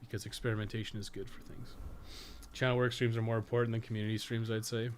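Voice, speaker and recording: A man's voice: lowish voice, level tone, quick pace. A man giving casual, unscripted gameplay commentary as a streamer, rambling and thinking aloud with frequent swearing. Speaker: game streamer and podcast co-host. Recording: clearly noisy background.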